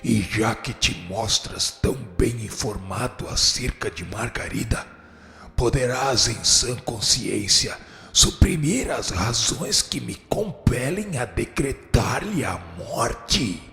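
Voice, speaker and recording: A man's voice: mid-range voice, lively intonation, slow, gravelly, bright, forceful tone, heavily acted. An actor playing a powerful, unforgiving spirit judge in a radio drama, haughty and stern in his pronouncements. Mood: stern contempt. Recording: echoey long hall reverb, music underneath. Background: music.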